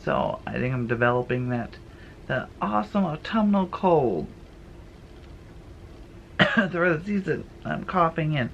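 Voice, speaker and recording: A man's voice: a little high, lively intonation, a little slow, gravelly, long pauses, a bit bright. A young man vlogging to the camera, stuffed up with a cold and talking in a sarcastic, rambling way. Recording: slightly muffled, faint noise behind.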